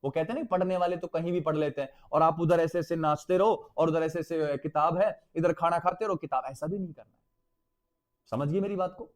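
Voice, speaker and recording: High-pitched man teaching exam revision. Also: fairly even intonation, brisk. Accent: Hindi. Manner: addresses students as beta, keeps checking they follow.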